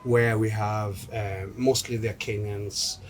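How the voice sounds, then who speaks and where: A man's voice: on the low side, steady tone, takes it slowly, soft background music. A man hosting a casual interview, asking long, rambling questions full of fillers.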